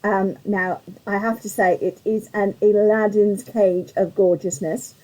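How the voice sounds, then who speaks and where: A woman with a slightly croaky voice hosting a live craft tutorial, chatting in a rambling way and greeting viewers by name. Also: medium pitch, fairly even intonation, unhurried, mellow, poor audio.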